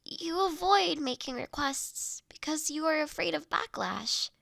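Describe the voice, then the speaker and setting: A woman playing a gentle, formal young mistress of a manor in a roleplay audio drama, speaking earnest, caring lines in measured, old-fashioned phrasing. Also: high voice, creaky, no echo, clean studio sound, heavily acted. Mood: tender, soft.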